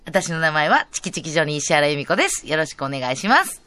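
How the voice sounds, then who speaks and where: A woman's voice: sits low, fast, no room sound. A woman with a Kansai accent co-hosting a radio talk show, chatting casually and playfully. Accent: Kansai Japanese. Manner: playful, laughs often, animated.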